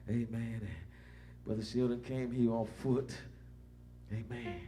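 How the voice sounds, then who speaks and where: A middle-aged man preaching a sermon as a bishop, in a Black church preaching cadence, moving between soft conversational asides and loud rising peaks. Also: medium pitch, flat delivery, unhurried, a little hiss or hum.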